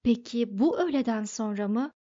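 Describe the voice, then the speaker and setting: A woman's voice: fairly high pitch, animated, moderate pace, dark tone. A woman voicing a polite, deferential male barman in an audiobook. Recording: dull lo-fi recording.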